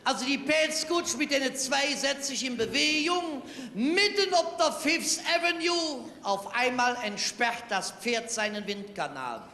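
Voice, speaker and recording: High-voiced Cologne carnival comedian in a hall. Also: male voice, lively intonation, sharp tone. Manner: tall-tale storytelling with quick punchlines. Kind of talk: carnival stage routine. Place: large carnival hall stage. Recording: echoey hall with long reverb.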